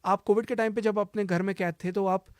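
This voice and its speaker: A man's voice: high voice, steady tone, brisk, dry recording, studio quality. A man speaking as a cancer healer, giving urgent advice and repeating his warnings, mixing English phrases into Hindi. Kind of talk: advice-giving interview talk.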